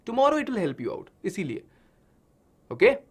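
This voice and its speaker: A man's voice: high-pitched, huge pitch swings, quick pace, breathy edge. A man with an Indian accent and Hindi as his native language, teaching children science in a dramatic storytelling way with frequent check-in questions. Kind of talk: animated online lesson for children.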